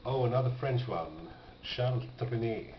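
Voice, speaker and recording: A man's voice: mid-range voice, animated, normal speed. A man giving casual, off-the-cuff commentary as he presents a collection, musing aloud and often questioning himself. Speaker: record collector presenting finds. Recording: dull lo-fi, noisy, roomy sound.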